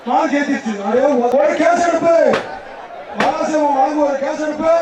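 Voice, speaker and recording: A man announcing a bull-taming event through a loudspeaker PA, shouting cheers and prize lists. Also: very high-pitched, normal speed, very noisy. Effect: through a loudspeaker PA system. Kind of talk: live bull-taming commentary. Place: outdoor arena. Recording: echoey loudspeaker from far off, crowd behind. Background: loud cheering crowd.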